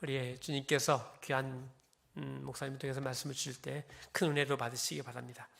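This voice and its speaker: A man's voice: mid-range voice, flat delivery, fairly quick, creaky, a bit bright. A man, a pastor leading the congregation in a church, calling out greetings and introducing the preacher.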